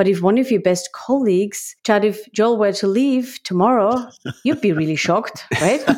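In a very clean recording with a silent background, a woman with an Austrian accent speaks at a moderate pace, her dark, mellow tone carried by lively intonation. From Austria, Graz. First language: German. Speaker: HR analytics researcher. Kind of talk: interview. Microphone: good-looking, better mic than hosts.

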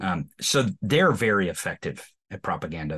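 Against a quiet background, a man with an American accent speaks at a very deep, low pitch. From rural Missouri. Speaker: political podcast host. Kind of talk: interview. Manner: animated.

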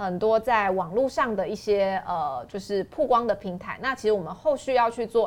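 This woman has a normal speaking voice at a medium pitch. Her intonation is lively and her pace moderate. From Taiwan, Kaohsiung. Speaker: co-founder of a local culture studio and magazine editor. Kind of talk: interview.

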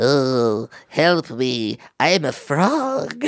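A man uses a put-on character voice pitched fairly high. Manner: whiny, pleading.

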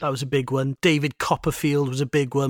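A man with a Welsh accent speaks in a monotone, flat way, recorded very cleanly with a silent background and a dry, close sound with no echo. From Wales. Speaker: radio DJ. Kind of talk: interview.

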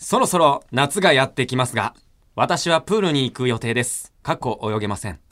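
The voice moves at a moderate pace with lively intonation on a very clean recording with a silent background. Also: man. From Okayama. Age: 30s. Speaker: actor and livestreamer. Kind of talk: radio show banter. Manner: animated.

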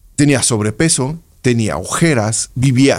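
A man speaks fairly slowly with vocal fry and a medium pitch. His pitch swings very widely. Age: 40s. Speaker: podcast host. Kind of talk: casual chat.

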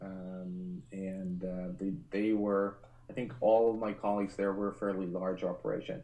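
Dark and mellow in tone, a man's voice sits at a fairly low pitch. He keeps a moderate pace and fairly even intonation. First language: Norwegian. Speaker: restaurant critic. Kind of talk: casual interview chat. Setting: remote call from abroad. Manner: halting, many fillers.

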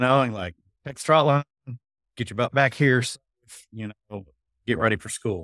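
A man with a plain, everyday voice speaks at a moderate pace and medium pitch, his loudness swinging widely and his pitch varying in an ordinary way, recorded very cleanly against a silent background with a dry, close sound and no echo. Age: 40s. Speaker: business executive. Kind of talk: casual chat.

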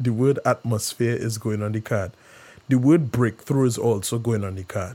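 At a moderate pace, a man speaks at medium pitch with fairly even intonation and a dark, mellow tone. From Trinidad. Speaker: podcast host and songwriter. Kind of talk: casual chat.

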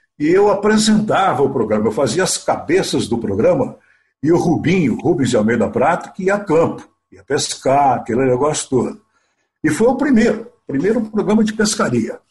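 With very wide pitch swings and big swings in loudness, a man talks at a high pitch and a moderate pace. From interior of São Paulo state (Duartina). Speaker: radio and TV announcer, journalist. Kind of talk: casual interview. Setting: online call.

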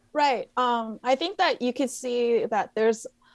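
Lively intonation comes at a moderate pace in a dry, close sound with no echo. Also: woman. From UK and Canada (born in Seoul, left at 7). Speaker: literary translator. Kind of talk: interview conversation. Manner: hesitant, many fillers.

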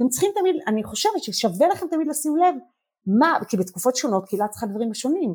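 A woman's high-pitched voice at a very fast pace, with very wide pitch swings. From Israel, Givatayim and Ramat Gan. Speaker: community building expert. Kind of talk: interview. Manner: quiet when talking about herself; animated on her field.

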